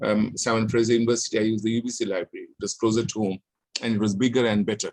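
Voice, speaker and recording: A man's medium-pitched, monotone voice with flat intonation, very fast, in a dry, close sound with no echo. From Bangladesh. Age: 70s. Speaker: professor. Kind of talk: lecture. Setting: video call. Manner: halting, with many fillers.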